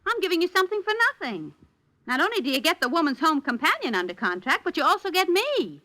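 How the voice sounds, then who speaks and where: A woman's voice: extremely high pitch, very animated, quick pace, bright, forceful tone, full character voice. An actress playing a scheming, glamorous female film star in a 1950s radio drama, sultry and condescending.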